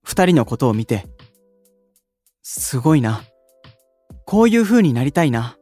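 Sensitive young male idol: modest, polite, soft delivery with wide-swinging intonation, dry audio drama sound. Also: mid-range voice, sing-song, a little slow, dry recording, faint music behind. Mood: sincere, tender. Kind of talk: anime-style audio drama acting.

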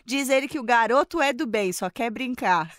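A woman co-hosting a podcast, excitable and nervously giggly, chatting and reading a listener's story aloud. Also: on the high side, normal speed, no echo, studio quality. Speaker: podcast guest co-host.

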